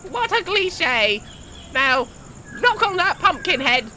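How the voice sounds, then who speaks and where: High, bright, sassy talking hen. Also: sing-song, slow, full character voice. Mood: snippy. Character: sassy female talking chicken, blunt and peevish. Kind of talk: audio drama acting. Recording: faint background noise.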